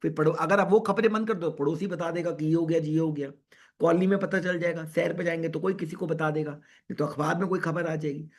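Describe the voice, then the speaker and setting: Husky man lecturing earnestly. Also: fairly high pitch, fairly even intonation, brisk. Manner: earnest, repetitive, mixes English into Hindi. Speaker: psychiatrist speaker. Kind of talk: online lecture. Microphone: video call.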